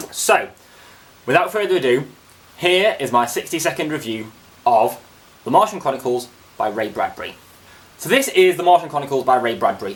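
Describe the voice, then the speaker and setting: Noticeable background noise under fairly quick speech. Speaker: book reviewer. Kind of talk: vlog review. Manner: fast.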